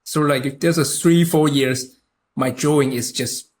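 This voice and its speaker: A young man from Taiwan, a native Chinese speaker with a Taiwanese accent, chatting haltingly as a podcast guest with many restarts. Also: medium pitch, steady tone. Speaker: podcast guest, concept artist. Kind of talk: casual interview chat.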